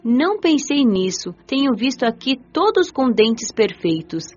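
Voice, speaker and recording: A woman's voice: a little high, very animated, a little slow, a little mellow, highs cut off. A woman voicing a curious young spirit girl. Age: young adult. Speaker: first-person narrator. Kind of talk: radio drama narration.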